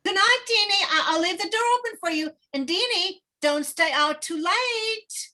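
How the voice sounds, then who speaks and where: A woman's voice: very high-pitched, lively intonation, normal speed, bright, forceful tone, exaggerated voice. A woman playing an anxious, pleading small-town mother in a dramatic table read. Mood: anxious politeness. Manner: pleading, worried.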